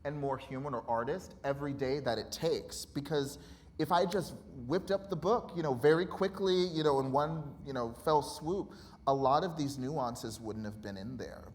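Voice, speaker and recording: A man in his thirties, an author guest in a live interview, talking candidly and animatedly, laughing often and acting out remembered conversations. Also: medium pitch. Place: college auditorium. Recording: reverberant hall with faint noise.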